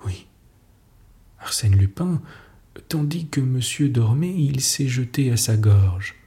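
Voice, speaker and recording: A distraught society lady pleads her case in a breathless, emphatic rush, as a man reading a story puts her on. The voice stays slow and gravelly, with a dark, mellow tone. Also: medium pitch, expressive. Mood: agitated, insistent. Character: distraught, insistent middle-aged society lady.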